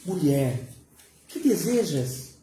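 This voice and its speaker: Woman doing a grave male teacher, gentle, hushed, slow, mellow, echoey room. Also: deep voice, sing-song, a little hiss or hum, pitched below the performer's own voice, exaggerated voice. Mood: solemn. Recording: roomy echo.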